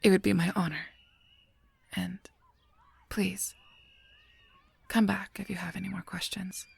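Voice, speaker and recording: An actor playing a solemn, protective guardian angel in an audio drama, speaking gravely and formally with a husky voice. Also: mid-range voice, little pitch movement, no echo, heavily acted. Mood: gentle, earnest. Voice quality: husky, breathy, creaky voice. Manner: grave, measured, formal speech. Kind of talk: scripted audio roleplay acting.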